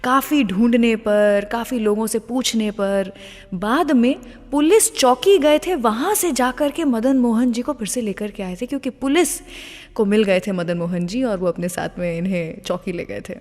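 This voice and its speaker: A woman's voice: a little high, normal speed, a little mellow, long reverb tail. A woman hosting a radio show, telling stories in a chatty, conversational way. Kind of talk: storytelling radio narration.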